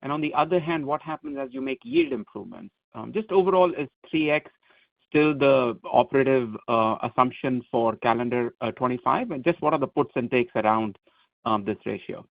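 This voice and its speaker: A tinny, close telephone line carries a man with noticeable vocal fry. He speaks as a financial analyst posing questions in conversational business language at a middling pitch. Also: lively intonation, fairly quick, dry recording. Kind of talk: earnings call questioning. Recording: dry, narrow telephone line.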